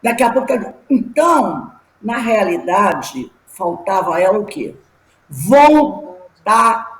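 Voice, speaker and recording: A middle-aged woman teaching a class, telling personal stories with lively emphasis and rhetorical questions. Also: medium pitch, normal speed, roomy sound, rough recording. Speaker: class teacher at a spiritist study group.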